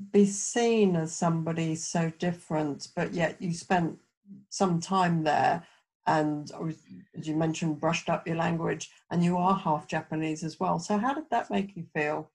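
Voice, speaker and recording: A woman hosting a podcast interview in a slightly low, husky voice. She asks gentle questions and keeps the talk going with short murmurs of agreement. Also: a little slow, rough recording. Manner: brief encouraging backchannels and questions. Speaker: podcast host. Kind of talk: interviewing a guest.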